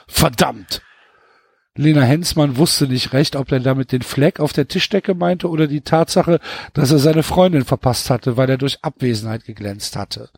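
A man's voice: mid-range voice, moderate pace, hardly any pauses, a little mellow, no echo, studio quality. A man hosting a podcast, reading a novel aloud and breaking off for mocking comments, stumbling over his words. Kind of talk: casual reading with mocking asides.

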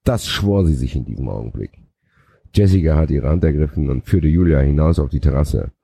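A man's voice: rumbling low, a little fast, creaky, mellow, husky. A man, a podcast co-host who reads a novel aloud, stumbling and adding sarcastic asides. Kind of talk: mock reading of a novel aloud with commentary.

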